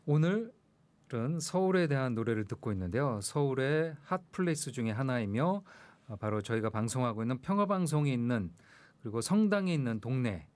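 A man appearing as a music commentator on a radio show, explaining songs in a measured way with frequent fillers, in a studio. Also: mid-range voice, big pitch swings, darkish tone, dry recording. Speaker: music commentator, magazine editor-in-chief guest. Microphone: studio microphone.

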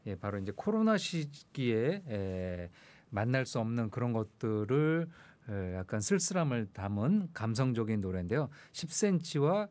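A man appearing as a music commentator on a radio show, explaining songs in a measured way with frequent fillers, in a studio. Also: mid-range voice, big pitch swings, a little mellow, dry recording. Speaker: music commentator, magazine editor-in-chief guest. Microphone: studio microphone.

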